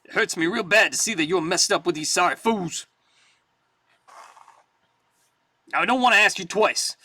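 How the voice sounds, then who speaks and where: A man's voice: high voice, quick pace, sharp tone, no room sound, heavily acted. A man voicing a blunt, tough male mercenary in a read-aloud comic, speaking with street-tough bluntness. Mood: menacing.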